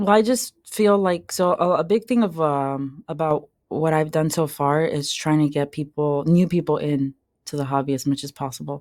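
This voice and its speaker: Very deep, low female voice in a Californian accent, moderate in pace with ordinary pitch variation, on a very clean recording with a silent background. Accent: Californian American English. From Los Angeles, California. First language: Spanish. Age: 30s. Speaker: sports card breaker and content creator. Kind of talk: podcast interview.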